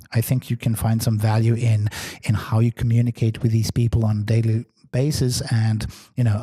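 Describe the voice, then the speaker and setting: A man's voice: on the low side, mellow, husky. A man from Serbia with a Serbian accent, hosting his own podcast in a chatty, loose manner, full of fillers and restarts. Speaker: podcast host. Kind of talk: casual solo podcast talk.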